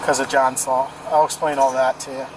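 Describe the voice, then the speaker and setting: A man's voice: medium pitch, little pitch movement, fairly quick. A male police officer casually explaining procedure in an informal, matter-of-fact way, recorded on a body camera. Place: outdoors at a roadside by vehicles. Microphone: body-worn camera. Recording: noisy bodycam outdoors near car engine.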